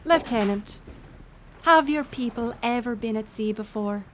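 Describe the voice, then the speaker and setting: A woman's voice: a little high, unhurried, slight background noise, lightly acted. A woman playing a bold, teasing pirate smuggler captain in an audio roleplay, playful and sardonic in manner. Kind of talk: intimate audio roleplay storytelling.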